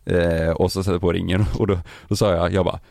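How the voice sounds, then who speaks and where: Deep-voiced man telling a story. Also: creaky, no room sound, studio quality. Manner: animated storyteller, acts out quotes, swears freely. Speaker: podcast host telling a story. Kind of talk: casual chat.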